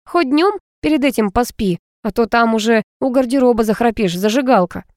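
A woman's voice: fairly high pitch, a little fast, no room sound, voice pushed up, close to an everyday voice. A woman voicing a moody, popular young woman student who snaps curtly, in a dry recording. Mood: teasing. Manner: sharp, curt.

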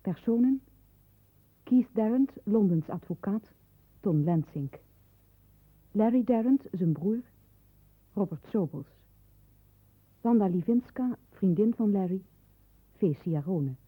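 A woman announcer reading credits formally and deliberately, as on a muffled vintage radio broadcast. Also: medium pitch, expressive, slightly rough. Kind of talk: formal scripted cast announcement.

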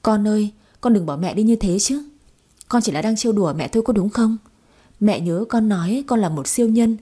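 A woman's voice: medium pitch, a little fast, mellow, slightly rough, lightly acted. A woman voicing a devoted young mother of a sick boy who pleads in a tearful way. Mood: desperate.

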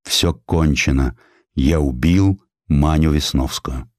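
A male narrator plays a grim young cavalry officer from a historical story. The voice is low and heavy, the words slow and flat, recorded close and dry. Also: dry recording. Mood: bleak, resigned. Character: grim young hussar cornet confessing to a killing.

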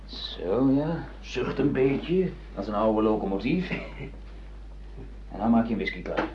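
An actor playing a bossy, impatient grown son in a radio drama, giving commanding instructions. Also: male voice, on the low side, a little slow, natural voice. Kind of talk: naturalistic radio drama acting. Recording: dull radio-play recording, faint noise.

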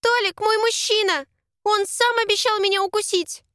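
A woman voicing a stubborn, lovestruck ten-year-old girl in an audiobook, with shrill, defiant outbursts. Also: steady tone, moderate pace, pushed and bright, dry recording, clean studio sound. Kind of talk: audiobook character voice.

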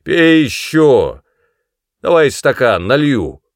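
A man voicing a crude, bullying middle-aged man who talks loudly and mockingly, with a creaky voice. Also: on the low side, big pitch swings, measured pace, no echo, studio quality, full character voice. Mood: gruff, mocking. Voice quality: loud, gruff, mocking.

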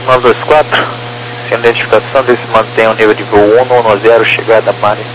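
A man's voice: lowish voice, little pitch movement, quick pace. A man with a Brazilian accent working as an air traffic controller, giving instructions over aviation radio. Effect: aviation radio transmission. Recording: noisy aviation radio with hum.

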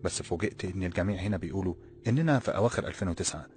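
A man voicing a young man with an Egyptian accent who is stranded in a strange city, talking in quick, exasperated colloquial speech. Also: low voice, a little mellow, natural voice. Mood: bewildered. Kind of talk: audiobook character voice.

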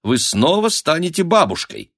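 A man voicing a sleepy, sardonic young noblewoman who answers flatly and with irritation. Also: fairly high pitch, normal speed, no room sound, studio quality, pitched above the performer's own voice. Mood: weary dry. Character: weary, dry-witted young noblewoman daughter.

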